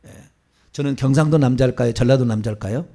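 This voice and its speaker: In a church sanctuary, a Seoul pastor in his fifties preaches a sermon, posing rhetorical questions to the congregation and chuckling in asides. His voice is medium-pitched and dark in tone, and he talks fast.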